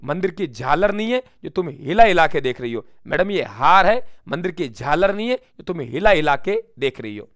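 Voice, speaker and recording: A man voicing a male village jeweler who teases a customer with slow, emphatic repetition. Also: fairly high pitch, sing-song, a bit bright, dry recording, clean studio sound. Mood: mocking.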